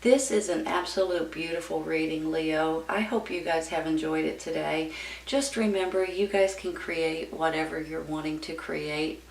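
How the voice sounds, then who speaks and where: Female tarot reader, gravelly fry, encouraging folksy chat to viewers, recorded away from the mic. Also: sits low, steady tone, moderate pace. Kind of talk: casual tarot reading addressed to viewers. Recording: roomy, distant mic with background noise.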